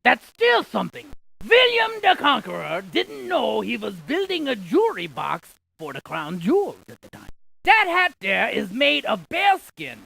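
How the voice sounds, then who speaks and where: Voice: mid-range voice, huge pitch swings, measured pace, gravelly, sharp tone, husky, exaggerated voice. An actor voicing a chatty scientist in an educational video game, sharing trivia with folksy, quippy asides. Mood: chatty, eager. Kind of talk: scripted educational video game character dialogue.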